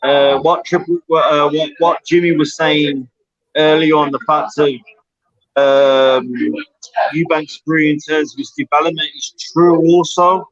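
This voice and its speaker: A man's voice: a little high, little pitch movement, unhurried, no room sound, dull audio. A man with Welsh parents calling in to a boxing talk show, giving blunt opinions and repeating his points for emphasis. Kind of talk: casual boxing opinion chat.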